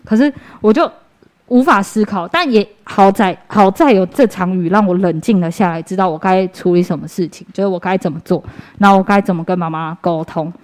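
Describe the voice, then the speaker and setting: A woman's voice: medium pitch, a little fast, darkish tone. Young woman giving an earnest testimony. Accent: Taiwanese Mandarin. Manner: earnest, conversational, many fillers and restarts. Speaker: church member giving testimony. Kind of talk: personal testimony storytelling.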